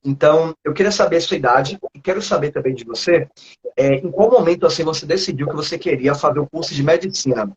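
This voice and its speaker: A man with a Northeastern Brazilian accent, a teacher interviewing a student over a video call, talking in a relaxed, chatty way and laughing often. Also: on the high side, fast, dull audio, a little hiss or hum.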